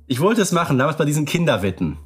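A man's voice: on the high side, sing-song, very fast, music in the background. A man co-hosting a podcast, agreeable and matter-of-fact in casual chat. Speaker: podcast co-host.

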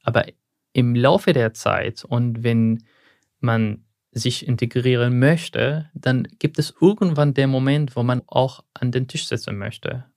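A young man from Syria, a non-native speaker, answers interview questions as a guest, thoughtful and sometimes searching for words, with some slips in German. His medium-pitched voice is a little mellow with fairly even intonation, and he speaks slowly in clean studio sound with no room sound.

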